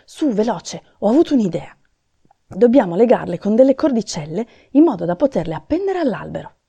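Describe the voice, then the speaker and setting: Woman doing a cheery excited elf guy, storybook voice, mellow and kinda raspy. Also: medium pitch, a little fast, no room sound, exaggerated voice. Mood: eager. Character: eager cheerful male Christmas elf helper. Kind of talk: storybook reading.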